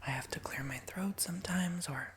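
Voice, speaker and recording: A man in his twenties with a nasal, raspy voice, giving a soft, rambling ASMR whisper with many fillers. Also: sits high, normal speed, background noise. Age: 20s. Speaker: ASMR creator.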